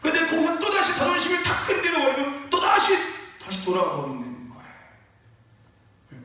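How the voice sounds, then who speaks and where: A man preaching a sermon in a church, animated, often rising to shouts and calling for amens. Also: very high voice, fairly quick. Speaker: pastor. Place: church sanctuary. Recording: echoey church hall from far off.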